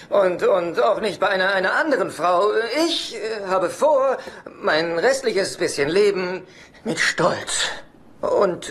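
A man's voice: sits high, fairly bright tone, exaggerated voice. An actor playing a neurotic, needy, self-pitying divorced father in a German-dubbed sitcom, stammering and whiny.

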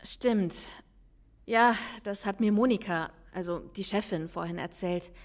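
Woman acting lady police lieutenant in a radio crime play, reassuring and informal, medium pitched voice. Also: unhurried, close to an everyday voice. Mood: conversational. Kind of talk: audio drama dialogue.

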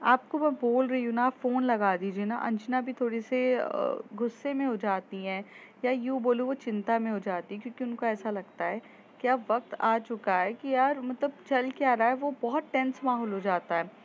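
A woman's voice: a little high, normal speed. A woman telling a love story in a casual, chatty, rambling way with many fillers. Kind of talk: casual spoken story narration. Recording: muffled lo-fi with faint noise.

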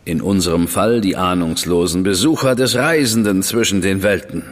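An actor playing a composed, sardonic Victorian spymaster who briefs an agent in a measured way. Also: male voice, deep voice, big-room sound, natural voice. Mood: briefing. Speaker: senior crown official briefing an agent. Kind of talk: studio radio drama acting.

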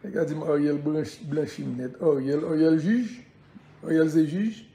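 A Haitian man with a Haitian accent chats loosely on a live stream, repeatedly urging viewers to share it. His voice is a little high, unhurried and mellow, and the sound is reverberant.

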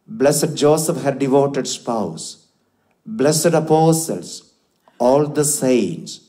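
Middle-aged male priest, solemn liturgical delivery, deliberate pauses, mellow timbre, unhurried. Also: medium pitch. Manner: measured, deliberate phrasing with pauses. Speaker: Catholic priest celebrating Mass. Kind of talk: solemn liturgical prayer recitation. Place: small chapel, indoors at altar. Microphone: microphone on stand at altar.

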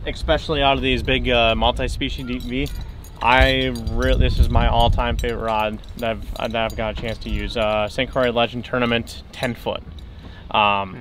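A man's voice: mid-range voice, little pitch movement, moderate pace, a bit bright, slight background noise. A young man, a fishing guide, explaining gear in a casual outdoor interview on a boat, with fillers and restarts.

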